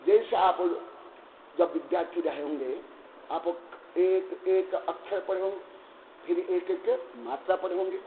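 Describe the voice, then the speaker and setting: Religious teacher, male, high-pitched, chants then lectures conversationally with questions; tinny lo-fi sound, echoey hall. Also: steady tone, unhurried, slight background noise. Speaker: Jain monk teaching scripture. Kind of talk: scripture class lecture.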